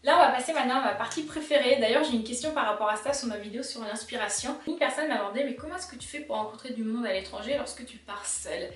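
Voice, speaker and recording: A young woman with an Alsatian accent, chatting casually to camera as a vlogger, animated and talking straight to her viewers. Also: a little high, fast talker, hardly any pauses, distant mic, soft background music. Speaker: illustrator vlogger. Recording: roomy sound, mic set back.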